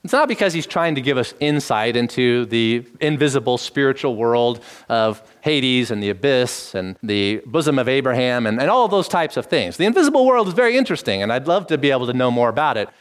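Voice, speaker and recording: A middle-aged man preaching, teaching in a measured tone and lifting his voice to stress key phrases. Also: medium pitch, very animated, clean tone. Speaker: pastor. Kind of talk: expository sermon.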